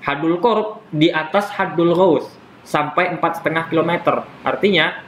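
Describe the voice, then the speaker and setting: A man's voice: on the high side, moderate pace, slight background noise, poor audio. Man teaching Islamic law casually. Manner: explains step by step, repeats terms, teases students. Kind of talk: casual classroom lesson. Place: classroom with students.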